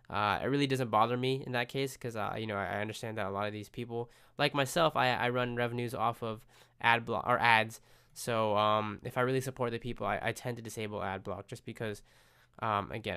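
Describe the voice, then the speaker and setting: A man's voice: mid-range voice, fairly bright tone, clean tone. A man with a head cold, sounding congested as he chats casually through a screen recording. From United States. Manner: chatty, restarts often, friendly asides. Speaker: tech vlogger.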